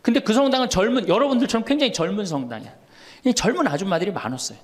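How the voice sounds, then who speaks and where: A man's voice: high voice, very fast. A Catholic priest in his sixties giving a humorous sermon to an audience, telling stories with laughter and acting out the dialogue. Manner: storytelling with laughter and lively quoted dialogue.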